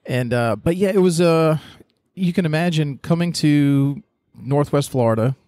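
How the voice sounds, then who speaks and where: A middle-aged man who grew up in England. He tells stories in a relaxed, chatty way as a podcast guest. The sound is dry and close. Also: on the high side, moderate pace, no room sound. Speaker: guest, real estate agent. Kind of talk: podcast interview.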